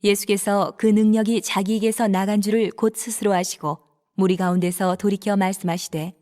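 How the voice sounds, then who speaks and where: A woman narrating scripture in a steady, measured reading. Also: mid-range voice.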